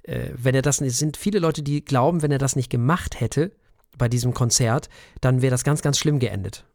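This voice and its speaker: A man's voice: mid-range voice, normal speed, darkish tone, no echo. A man with a mid-range voice chatting as a co-host, wry and joking, often trailing off and restarting. His voice is recorded dry and close to the mic. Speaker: podcast co-host. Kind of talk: casual chat.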